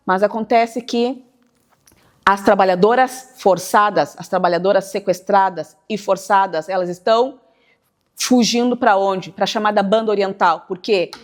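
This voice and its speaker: A woman writer from Brazil, speaking in a measured, thoughtful way as an interview guest. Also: mid-range voice. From southern Brazil, near the Uruguay border. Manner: measured, thoughtful, stretches words while thinking. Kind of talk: reflective interview talk.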